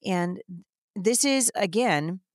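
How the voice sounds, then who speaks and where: A woman's voice: mid-range voice, lively intonation, no echo, clean studio sound. A woman hosting a Christian podcast, speaking in an impassioned, indignant, emphatic way and pressing her points with urgency. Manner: indignant, emphatic, fast-flowing. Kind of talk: impassioned devotional talk.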